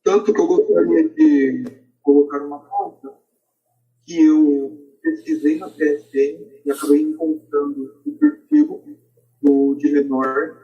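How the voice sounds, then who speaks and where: A man with a Brazilian accent speaks in a podcast discussion. His mellow, slightly higher-pitched voice comes through muffled and away from the microphone. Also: big pitch swings, unhurried, distant mic.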